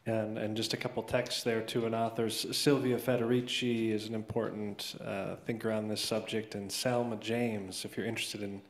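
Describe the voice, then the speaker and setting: A man moderating a panel discussion, relaxed and a little hesitant as he opens questions to the room. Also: on the low side, moderate pace, hardly any pauses. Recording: echoey room.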